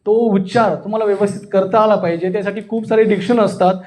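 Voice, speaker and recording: A man's voice: high voice, fairly even intonation, fast talker, a little mellow. A man with a Marathi accent teaching an interactive public speaking workshop, demonstrating and often checking understanding with questions.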